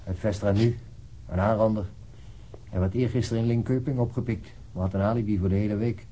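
Casting: male actor as frustrated, matter-of-fact detective for radio crime drama; low, mellow voice with dry delivery. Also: fairly even intonation, fairly quick, slight background noise, natural voice, poor audio. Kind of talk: radio drama acting, naturalistic.

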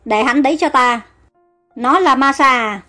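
A woman's voice: high voice, a little slow, bright, forceful tone, soft background music. A woman voicing a young, hot-tempered male pharaoh who speaks in a commanding, impatient way. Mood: stern.

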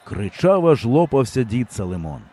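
A man narrating a humorous story in an audiobook, telling it in a lively way. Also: mid-range voice, normal speed. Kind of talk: scripted narration.

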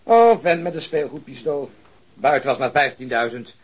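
An actor playing a dry, level-headed police detective in a radio drama, wry and matter-of-fact. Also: male voice, medium pitch, big pitch swings, normal speed, husky. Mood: wry, amused. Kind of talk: Dutch radio drama acting.

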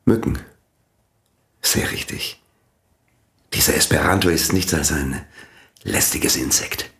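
An actor in a German radio play playing an indignant, scornful, proud Catholic priest with a pompous, declamatory delivery and a husky voice. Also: male voice, rumbling low, takes it slowly, fairly bright tone, heavily acted.

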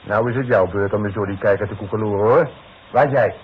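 An actor playing a cocky, mocking young demolition worker in a 1960s radio play, brash and taunting. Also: male voice, fairly low pitch, fairly quick, lightly acted. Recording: tinny, noisy 1960s radio recording.

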